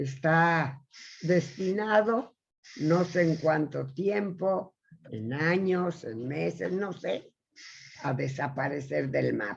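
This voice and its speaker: A woman's very deep, low pitch, with vocal fry, lively intonation and a very slow pace. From Mexico. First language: Yiddish (speaking Spanish). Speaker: retired Yiddish teacher. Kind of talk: interview conversation. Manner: conversational, hesitant.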